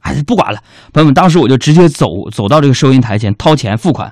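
Joking man with a lively voice. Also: medium pitch, quick pace, no echo, studio quality. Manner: joking, self-mocking storytelling. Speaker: radio host. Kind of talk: comic monologue.

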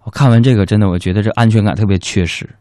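A man's voice: fairly low pitch, very fast, warm tone, no room sound, studio quality. A man hosting a radio show with a comic monologue, telling jokes at his own expense. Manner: joking, self-mocking storytelling. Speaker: radio host.

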